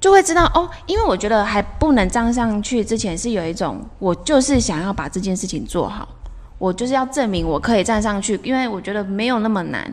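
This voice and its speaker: A woman has a plain, everyday voice at a medium pitch. She talks at a fairly quick pace with lively intonation. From Taiwan, Taichung. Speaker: podcast co-host. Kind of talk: casual chat. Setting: recording on location in a basement.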